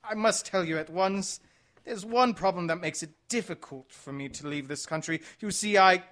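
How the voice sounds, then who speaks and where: A man playing a debonair, sly gentleman exile in a radio mystery, speaking suavely and theatrically. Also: high voice, moderate pace. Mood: nonchalant, evasive. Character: debonair, sly English gentleman exile, Foreign Legion deserter. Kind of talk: radio mystery drama acting.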